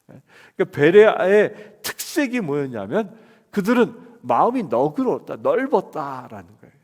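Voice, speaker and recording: Speaking at a normal speed in a sing-song, slightly high and slightly mellow voice, a Seoul-accented pastor gives a conversational expository sermon in church. He poses questions to his listeners and answers them on his own, while long hall reverb fills the recording.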